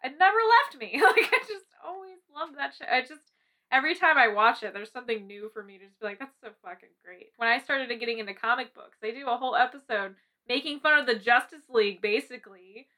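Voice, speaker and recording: A young adult woman with an American accent talks casually as a podcast co-host. Her voice is high and clearly bright. She is effusive and prone to giggles, speaking very informally. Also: quick pace. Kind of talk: casual chat.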